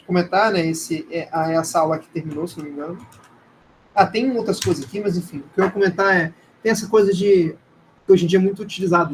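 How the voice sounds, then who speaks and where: A Brazilian man with a fairly high voice teaches an informal live class. He speaks conversationally and hesitantly, often checking in with short tag questions. Noticeable noise sits behind his voice. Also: rough recording. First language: Portuguese. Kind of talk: informal live lecture with screen demonstration.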